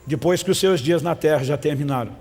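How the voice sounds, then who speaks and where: Male pastor, fairly high voice, emphatic sermon with call-and-response, long hall reverb. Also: fairly quick, darkish tone.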